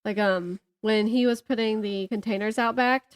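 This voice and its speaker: A young adult woman talks in a fairly high voice. The recording is dry, with little room sound, and she keeps the loose, conversational style of a podcast co-host. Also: fairly even intonation, moderate pace, no echo. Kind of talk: casual chat.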